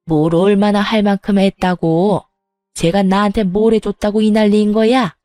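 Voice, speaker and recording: A spiteful older mother-in-law, voiced by a woman narrator, bullying and theatrical, her voice mellow and dark at the edges. She scolds and wails in an audio story, recorded dry and close with soft music underneath. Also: mid-range voice, level tone, moderate pace, dry recording, close to an everyday voice. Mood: scolding. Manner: scolding, wails loudly when playing the victim. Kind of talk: storytelling voice acting.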